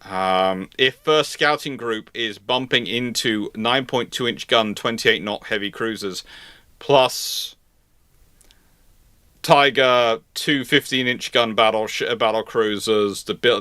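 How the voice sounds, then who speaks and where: A man answers viewer questions as a live commentary host. His voice is fairly low yet bright and forceful, recorded very dry. He halts, repeats and reworks phrases while thinking aloud. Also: smooth, dry recording. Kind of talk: live Q&A naval history commentary.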